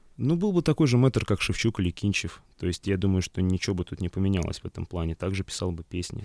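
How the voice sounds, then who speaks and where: A man with a very deep, low pitch and ordinary pitch variation talks at a very fast pace with hardly any pauses. The sound is dry and close with no echo, in a very clean recording with a silent background. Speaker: band archivist and tour guide. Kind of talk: interview.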